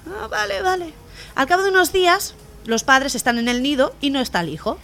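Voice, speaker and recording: Lively high-voiced woman telling radio jokes. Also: fast talker. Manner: animated storyteller, laughs at jokes, acts out characters. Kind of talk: joke-telling on community radio. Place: radio studio.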